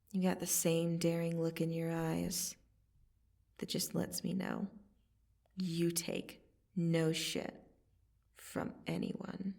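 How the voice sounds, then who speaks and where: A woman playing a menacing yet softening vampire assassin in an ASMR roleplay, intimate and deliberate, often slipping into a breathy whisper. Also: lowish voice, distant mic, full character voice. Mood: wistful. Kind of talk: ASMR roleplay, scripted dramatic monologue.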